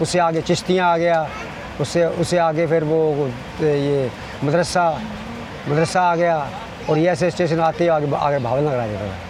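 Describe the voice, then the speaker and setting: Over crowd noise in the background, a man speaks at a moderate pace in a fairly high pitch with ordinary pitch variation. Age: 70s. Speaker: elderly train passenger. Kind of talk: casual interview. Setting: on a moving train. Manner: halting.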